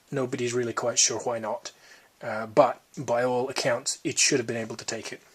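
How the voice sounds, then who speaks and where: Noticeable background noise sits behind the speech. A man speaks at medium pitch with fairly even intonation. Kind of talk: technical walkthrough of computer hardware. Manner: soft-spoken, slow, hesitant.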